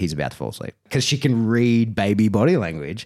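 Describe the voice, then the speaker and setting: Lively intonation marks a man's normal speaking voice at a fairly quick pace. The recording is very clean, with a silent background. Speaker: dog trainer and podcast host. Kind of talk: casual chat.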